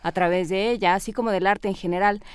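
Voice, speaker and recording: A woman's voice: medium pitch, fairly even intonation, fast talker, clear, resonant tone, dry recording. A woman with a Mexican accent presenting as a radio host, moving between scripted reading and conversation.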